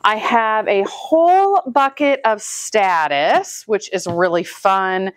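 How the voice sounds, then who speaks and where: A woman's voice: mid-range voice, animated, takes it slowly, clear, resonant tone, dry recording. Chatty woman narrating flower arranging. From Northwest Iowa, US. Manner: chatty, upbeat, talks while handling flowers. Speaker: flower farmer and channel host. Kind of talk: casual how-to narration while working. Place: indoor room with flower buckets. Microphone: far camera, hands-free.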